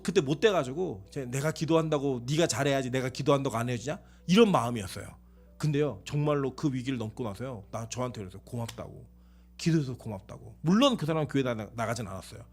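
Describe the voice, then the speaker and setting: A man's voice: a little high, slightly rough. A man preaching a sermon as pastor, telling stories animatedly, acting out the people in them and putting questions to the congregation before answering them himself. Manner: animated storytelling, acts out quoted people.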